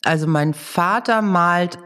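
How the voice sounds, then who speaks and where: Candid low-voiced middle-aged woman. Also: slow pace, fairly bright tone. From born in Liberia, raised in southern Germany from age seven. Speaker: interview guest, art director and stylist. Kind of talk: reflective conversational interview, personal storytelling.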